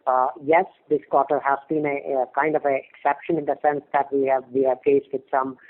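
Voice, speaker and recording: A man speaks as a company executive on an investor call, at an average pitch. He explains in a hesitant way, often repeating words. The sound is a narrow, tinny conference phone line. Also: little pitch movement, fairly quick. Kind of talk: earnings call answers.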